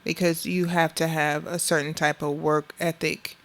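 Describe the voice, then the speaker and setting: Interview guest, woman, lower register, Southern Black American accent with Gullah Geechee flavor, conversational storyteller. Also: little pitch movement, moderate pace. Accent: Southern Black American with Gullah Geechee influence. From Beaufort, South Carolina, United States.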